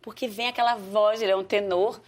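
A stage actress chatting in an interview, telling stories with lots of life and acting out quotes. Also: female voice, mid-range voice, a little fast. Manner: lively storytelling, acts out quotes. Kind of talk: casual interview chat.

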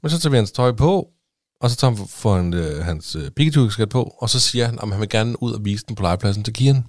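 Low-voiced man telling a story. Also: no echo, clean studio sound. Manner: animated storytelling, swearing, acting out dialogue. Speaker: podcast co-host. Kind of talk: casual chat.

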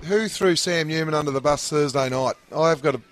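A man's voice: on the high side, fairly quick, a bit bright, no echo. A man co-hosting a radio show, needling his mates in casual banter. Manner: needling, accusing.

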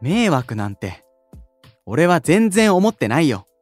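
Sensitive young male idol: modest, polite, soft delivery with wide-swinging intonation, dry audio drama sound. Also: on the high side, big pitch swings, takes it slowly, no room sound, faint music behind, full character voice. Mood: sincere, tender. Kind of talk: anime-style audio drama acting.

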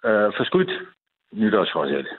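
A man phones in to a call-in radio chat, sounding hesitant and self-deprecating and using lots of fillers. His husky voice is fairly low-pitched but swings widely in pitch, and the phone line sounds tinny.

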